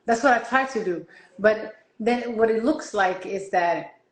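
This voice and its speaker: Woman chatting, soft and thoughtful, roomy echo. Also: medium pitch, measured pace. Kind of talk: casual conversation.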